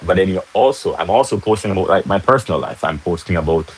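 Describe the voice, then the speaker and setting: Animated and fast-talking, a young man with a low voice and Jamaican accent hosts a casual teaching livestream from a home setting in Jamaica. He is chatty, often tags on "right?" and greets viewers mid-talk. The rough recording has a little hiss or hum.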